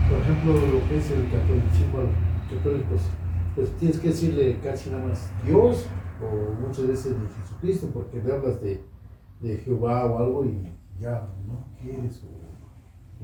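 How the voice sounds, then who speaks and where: A man's voice: medium pitch, mellow. Distant echoey man speaking up in class. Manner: hesitant, rambling, with restarts. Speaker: class participant. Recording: distant, very echoey, with faint noise.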